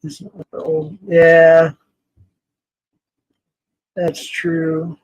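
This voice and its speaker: A man's voice: fairly high pitch, monotone, drawn-out words, no echo, poor audio. A man in his forties hosting a casual livestream, rambling, laughing often and greeting chat viewers by name. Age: 40s. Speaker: livestream host.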